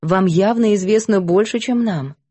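A meek, gentle elderly lady, as a woman narrator puts her on, speaks softly and kindly. Her voice is warm and mellow, close and dry. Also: medium pitch, normal speed, husky, no room sound, natural voice.

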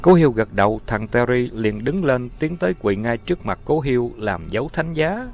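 A man narrating an audiobook story with an expressive, dramatic reading. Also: medium pitch, moderate pace. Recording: dull lo-fi audio, faint music.

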